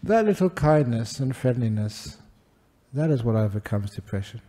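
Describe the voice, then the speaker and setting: An older man gives an unhurried Buddhist talk with gentle humor. His voice sits at an everyday pitch but sounds deeply dark and mellow. His delivery is warm in pace and easygoing. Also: animated. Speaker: Buddhist monk giving a dharma talk. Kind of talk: relaxed dharma talk with anecdotes.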